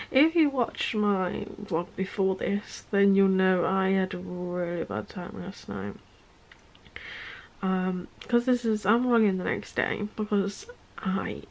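A woman's voice: medium pitch, low-quality recording. Weary young woman vlogging in pain. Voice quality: hoarse morning voice. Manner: tired, halting, with sighs and trailing words. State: in pain and exhausted. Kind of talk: casual vlog to camera. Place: at home, indoors. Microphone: phone camera held close.

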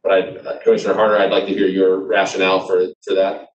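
Low-voiced man chairing a board meeting. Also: completely flat delivery, dull audio. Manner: measured, formal, procedural. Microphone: video call. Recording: echoey distant video-call audio.

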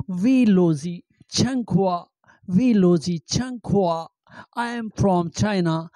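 A middle-aged man giving an amateur language lesson, halting and repeating phrases with many fillers, speaking into a handheld microphone in a small room. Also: high-pitched, darkish tone, no echo. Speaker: language teacher. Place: small indoor room with green backdrop.

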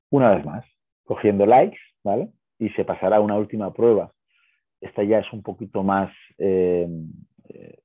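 A man's husky, fairly low voice comes through a thin video call that sounds like a phone, with no echo and almost no surrounding space. As a guest and pet-business co-founder, he explains things casually, sprinkling in small checking questions.

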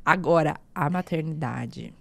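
A woman's voice: deep voice, measured pace, gravelly, dry recording. A Brazilian woman in her thirties hosting a casual chat, telling stories animatedly and acting out quoted lines. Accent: Brazilian Portuguese. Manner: animated storyteller who acts out quoted lines. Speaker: podcast host.

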